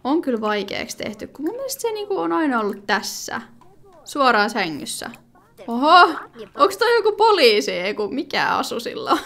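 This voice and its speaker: Lively, high-voiced woman commenting on gameplay. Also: creaky. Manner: chatty, thinking aloud with many fillers and sudden exclamations. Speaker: gaming video creator.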